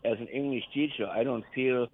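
An older man with a German accent phones in and talks. His voice comes through a thin, tinny phone line at an ordinary middle pitch. He rambles and stops often, with plenty of "uh"s and false starts. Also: fairly even intonation, vocal fry, slightly rough. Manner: rambling, halting, many fillers and restarts. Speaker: caller. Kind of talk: casual phone chat.

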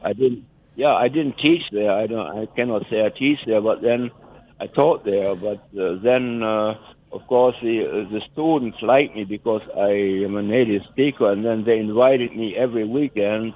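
Man, older, German accent, native German speaker, caller on a phone line, tinny telephone sound, rambling, halting. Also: lowish voice. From West Germany. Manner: rambling, halting, chuckling at his own jokes. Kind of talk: phoning in to a radio talk show.

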